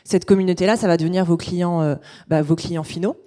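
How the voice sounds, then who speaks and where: A woman, a company founder giving a business pitch presentation. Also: steady tone, a little fast, mellow.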